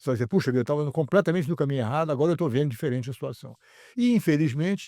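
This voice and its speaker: Speaking at a very fast pace, a man with a fairly high pitch and dark, mellow tone uses lively intonation, in a very clean recording with a silent background and a dry, close sound with no echo. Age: 70s. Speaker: author of a diet book, martial arts family member. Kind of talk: podcast interview. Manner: casual, conversational.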